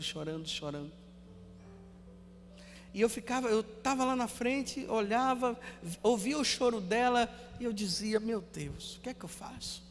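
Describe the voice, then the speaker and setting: A Brazilian priest preaching a sermon, telling stories and repeating words for emphasis, often dropping to a hush. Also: male voice, high-pitched, long reverb tail, a little hiss or hum. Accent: Brazilian Portuguese.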